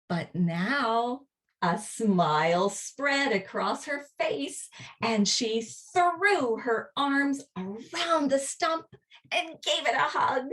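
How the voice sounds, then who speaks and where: A woman reading a children's picture book aloud in an expressive, deliberate storytelling manner, drawing out her words. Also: a little high, far from the mic. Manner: animated, drawn-out, deliberate storytelling.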